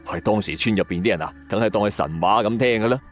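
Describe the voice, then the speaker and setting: Backed by music, a man with a Hong Kong Cantonese accent hosts a storytelling podcast, reading a scripted story with dramatic suspense in a conversational tone. He talks fast in a fairly low voice.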